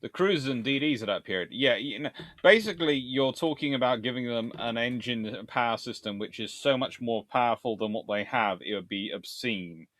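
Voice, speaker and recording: A man's voice: mid-range voice, fairly quick, hardly any pauses, a bit bright, no room sound. A man hosting a live history chat, answering viewers in a rambling, discursive way like a lecturer thinking aloud.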